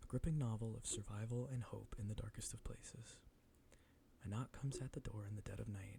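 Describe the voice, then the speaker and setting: This voice is whispering and soft-spoken. The pace is fairly quick. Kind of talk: ASMR book triggers, casual talk to camera with tapping. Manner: soft-spoken, whispered.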